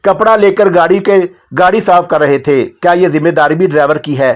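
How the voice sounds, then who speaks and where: A man's voice: fairly high pitch, moderate pace, close to an everyday voice. A man voicing an angry elderly head of the house, growling and scolding in a raised, harsh voice. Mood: furious. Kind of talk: audiobook character voice.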